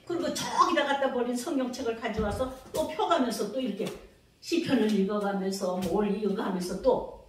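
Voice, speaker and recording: A woman's voice: a little high, normal speed, a little hiss or hum. A woman pastor preaching a revival sermon, dramatically acting out her own prayers and calling for amens. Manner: calls for amens from the congregation. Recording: very echoey hall, mic from a distance.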